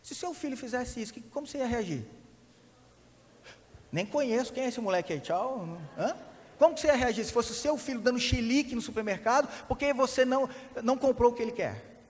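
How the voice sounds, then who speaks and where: A man preaching a sermon as a pastor, animated storyteller who acts out the people in his stories. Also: extremely high pitch, fast talker. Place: church hall. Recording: long hall reverb.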